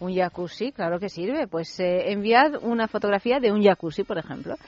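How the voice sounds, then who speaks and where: A woman speaks in an ordinary speaking voice at a moderate pace. Her pitch is medium, with ordinary pitch variation. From Italy. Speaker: radio host. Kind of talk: casual chat.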